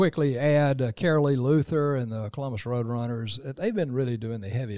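Against a quiet background, a man talks at a medium pitch with ordinary pitch variation and a dark, mellow tone. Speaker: runner and race organizer. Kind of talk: casual interview. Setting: studio.

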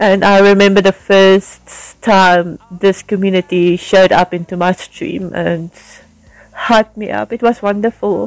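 A woman of medium pitch speaks fairly slowly with ordinary pitch variation. The sound is dry and close with no echo, and music plays in the background. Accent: South African. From South Africa. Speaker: Twitch streamer. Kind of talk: unscripted personal monologue. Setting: recording at home while doing chores. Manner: halting.

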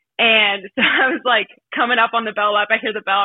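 A woman with a plain, everyday voice and fairly high pitch speaks at a fairly quick pace. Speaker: professional runner. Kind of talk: casual interview. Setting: phone call.

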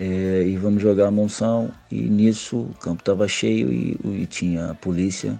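Speaking at a fairly slow pace, a man with a very deep, low pitch uses lively intonation. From Brazil, Rio de Janeiro (Paquetá island). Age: 40s. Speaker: amateur footballer. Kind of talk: interview.

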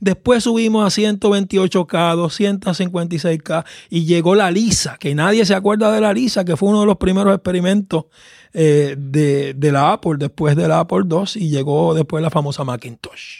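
In a dry, close sound with no echo, a man with a high pitch talks at a fairly slow pace. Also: ordinary pitch variation. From Puerto Rico, Caguas. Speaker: pastor and seminary dean. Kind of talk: casual chat. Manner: halting.

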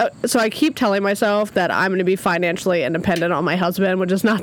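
A woman's medium-pitched voice moves at a fairly quick pace, with noticeable noise behind her. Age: 30s. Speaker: podcast co-host. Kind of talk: casual chat. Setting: outdoors.

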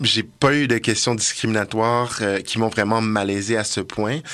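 A man with a plain, everyday voice talks at medium pitch and a fairly slow pace. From Montreal, Quebec. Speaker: law student, student association president. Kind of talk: interview.

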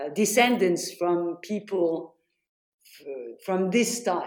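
A woman uses an ordinary speaking voice at a medium pitch with ordinary pitch variation. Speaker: artist's descendant. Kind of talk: oral history interview.

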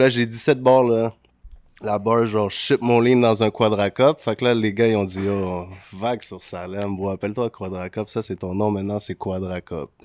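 This is a plain, everyday voice moving at a moderate pace with fairly even intonation. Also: man, fairly low pitch for a man. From Montreal, Quebec (born in Indonesia). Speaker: rapper. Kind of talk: casual interview.

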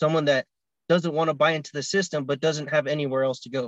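The voice moves at a moderate pace with monotone, flat intonation. The sound is dry and close, with no echo. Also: man. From California. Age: 20s. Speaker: telecom technician. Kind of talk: casual interview.

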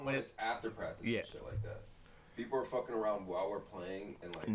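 With fairly even intonation, an ordinary speaking voice proceeds at a fairly quick pace. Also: man, medium pitch for a man. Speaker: podcast co-host.

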